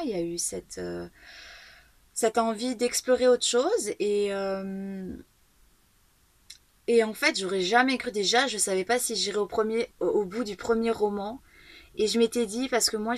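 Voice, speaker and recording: A woman in her thirties, an author talking through her writing in a casual, reflective monologue, pausing often with fillers and restarts. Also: mid-range voice, dry recording. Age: 30s. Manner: thoughtful, hesitant, many fillers and restarts. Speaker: author and video blogger.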